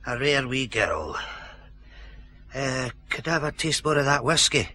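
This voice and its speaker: A man's voice: medium pitch, big pitch swings, a little slow, bright, forceful tone. An actor with a Scottish accent playing a wheedling older ex-housebreaker who loves his whisky, cheeky and chuckling, in a radio drama. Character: wily old Glasgow ex-burglar, fond of whisky. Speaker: dead woman's uncle, ex-housebreaker.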